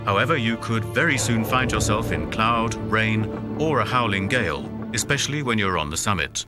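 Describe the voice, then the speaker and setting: A very low-pitched man narrates a documentary script with an expressive, varied melody. Music plays clearly behind his voice. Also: normal speed. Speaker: voice-over artist.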